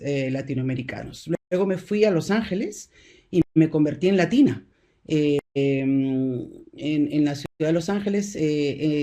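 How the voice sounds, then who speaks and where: A middle-aged woman with a Peruvian Spanish accent, a university professor giving an academic presentation over a video call, pausing often with fillers and restarting her sentences. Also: deep voice, warm tone. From Peru. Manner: hesitant, many fillers and restarts.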